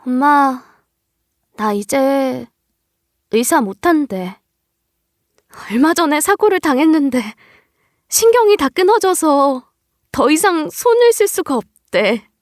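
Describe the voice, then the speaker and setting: A desperate young woman, a former doctor, begs her mother through tears in a high, slow voice, as a female narrator puts her on. The sound is close and dry, with no room around it. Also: big pitch swings, no echo, exaggerated voice. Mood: pleading. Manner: tearful pleading.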